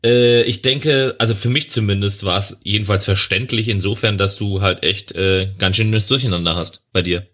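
A man's voice: fairly low pitch, fairly even intonation, normal speed, few pauses, sharp tone. A man co-hosting a podcast in casual chat, rambling with lots of fillers and restarts. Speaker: podcast co-host.

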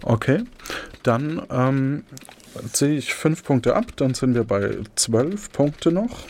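A man's voice: mid-range voice, expressive, takes it slowly, a little mellow. A man acting as game master, casually explaining a mystery role-playing game in a hesitant, explanatory way.

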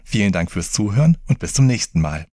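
A male podcast host with a lowish voice that moves a lot in pitch, talking with an author and closing the show. The sound is dry and close. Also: big pitch swings, brisk, dark tone, no echo, faint music behind. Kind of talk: podcast interview and sign-off.

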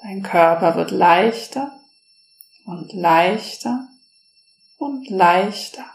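A woman speaking slowly and softly, leading a guided relaxation meditation. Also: medium pitch, gravelly. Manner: slow, soft-spoken, soothing. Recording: roomy echo.

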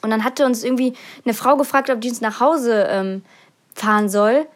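Young woman, Bonn area, casual sibling chat, self-mocking, higher pitch. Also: normal speed. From Bonn area, Germany. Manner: chatty, self-mocking, breaks into laughter. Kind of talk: casual chat with her sister.

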